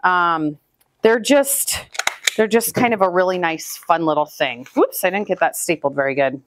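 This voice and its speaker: There's background noise as a fairly low-voiced woman in her thirties, from Northwest Iowa in the US Midwest, builds bouquets at a moderate pace. As a flower farmer and channel host, she talks casually and cheerfully to a distant hands-free camera, narrating how-to tips while handling flowers in an indoor room with buckets.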